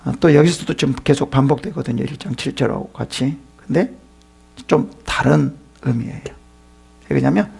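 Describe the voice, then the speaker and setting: Male pastor, sermon, raspy and husky, high voice, lively delivery, loud to whispered. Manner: animated preaching that swings from loud to whispered.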